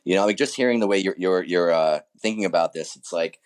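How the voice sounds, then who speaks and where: A man's voice: sits low, fast, clear, resonant tone. A man speaking casually as an author being interviewed, keen and reflective about his work.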